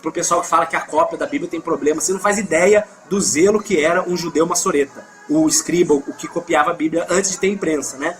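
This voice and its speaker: A man's voice: a little high, fast, few pauses, faint music behind. A man with a Brazilian Portuguese accent leading a live Bible study, emphatic, reading scripture aloud and correcting himself as he goes.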